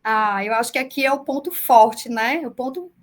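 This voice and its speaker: A woman in her forties talks over a video call with a high, light voice. Her Brazilian accent blends the far south with the northeast. She explains things at a measured pace, dropping small fillers along the way. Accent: mixed southern Brazilian and northeastern Brazilian Portuguese. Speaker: public defender. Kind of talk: remote interview answers.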